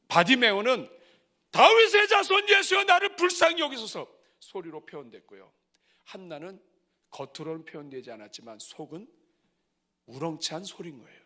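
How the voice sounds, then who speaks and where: A middle-aged man preaching at a church revival, moving from soft asides to loud cries. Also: on the high side. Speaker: pastor. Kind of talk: revival sermon. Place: church sanctuary.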